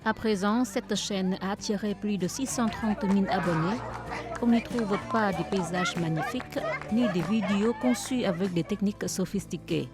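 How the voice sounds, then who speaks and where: A woman reporter narrating a news feature and asking interview questions in a clear, measured way. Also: medium pitch, crowd noise. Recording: voice-over with music beneath.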